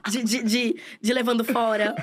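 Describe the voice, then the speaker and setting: A woman's voice: on the high side, moderate pace, a little hiss or hum. A young woman chatting casually, telling a story animatedly and acting out the people in it. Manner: animated storytelling with quoted voices. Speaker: guest storyteller. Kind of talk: casual chat.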